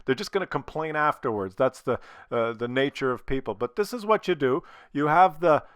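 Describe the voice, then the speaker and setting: Man, bright forceful voice, crisp and smooth, blunt opinions, a cold wearing on his voice. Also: mid-range voice, animated, brisk, no room sound, studio quality. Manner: blunt and opinionated, swears freely. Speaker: gaming video creator. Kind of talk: casual commentary to viewers.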